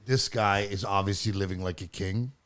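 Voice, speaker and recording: A man's voice: lowish voice, fairly even intonation, normal speed, a bit bright. A man co-hosting a podcast, talking casually in a loose discussion. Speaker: podcast co-host.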